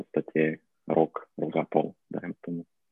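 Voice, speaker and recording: A man is speaking here. His pace is moderate. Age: 20s. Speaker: entrepreneur and student. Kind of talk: interview.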